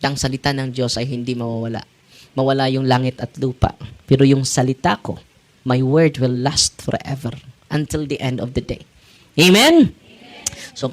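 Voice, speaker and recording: A man preaching as a Catholic priest and exorcist, emphatic and often laughing. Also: mid-range voice. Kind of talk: sermon.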